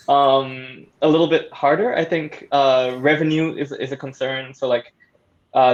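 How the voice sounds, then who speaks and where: A man thinking aloud in a halting, thoughtful way as a panelist in a casual discussion. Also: mid-range voice, lo-fi sound. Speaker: audio drama creator and panelist.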